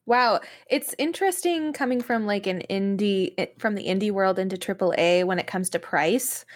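A woman co-hosts a podcast, chatting in a casual, conversational way. Her pitch is medium and her pace moderate.

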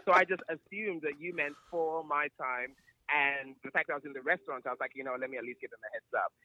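As an interview guest, this man talks fast in a fairly high voice, playfully confident and telling one anecdote after another in a transatlantic accent. He's a celebrity wardrobe stylist who was born in New York and grew up across Europe and Sierra Leone. The audio is muffled with slight background noise.

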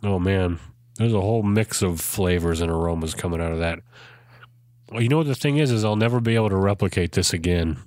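A man with a low, stuffed-up voice hosts a casual podcast. He sounds congested from a cold and talks in a loose, relaxed way, laughing easily. The sound is close and dry. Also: brisk, dry recording. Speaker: podcast host. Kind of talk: casual chat.

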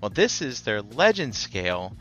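A man's voice: on the low side, very animated, unhurried, a bit bright, highs cut off, soft background music. A man hosting a casual collector podcast, talking loosely through toy news with fillers and the odd swear. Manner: laid-back, lots of fillers, swears. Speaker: podcast host.

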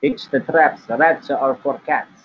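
A man playing a laid-back, crude vampire cat count in an improvised comedy interview, rambling in deadpan slang. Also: medium pitch, unhurried, close to an everyday voice. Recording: tinny phone-like line with noise.

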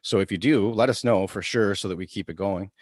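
A man co-hosting a podcast, chatting casually and telling stories in an animated way with many restarts. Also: lowish voice, fairly quick, no room sound, studio quality. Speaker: podcast co-host. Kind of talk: casual chat, storytelling.

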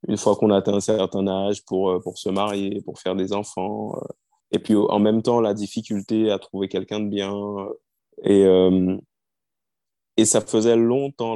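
Man, 30s, low warm voice, easygoing storyteller, dry close sound. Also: no room sound. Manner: storytelling, easygoing, frequent fillers. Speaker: singer-songwriter guest. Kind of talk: relaxed interview talk.

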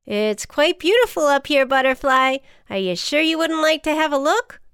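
A woman's voice: sits high, lively intonation, normal speed, a bit bright, dry recording, studio quality, voice pushed up. A woman voicing a small, cheeky male ant who persuades and encourages in a chummy, folksy way, as in a children's storybook. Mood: upbeat.

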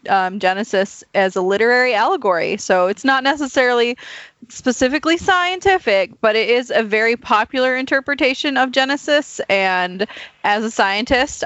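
A woman's voice: fairly high pitch, fairly bright tone, dry recording. A young adult woman co-hosting a podcast as its scientist, talking in a playful, teasing way. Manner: playful, teasing, laughs often. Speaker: resident scientist co-host. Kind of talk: casual chat. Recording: dull lo-fi dry sound.

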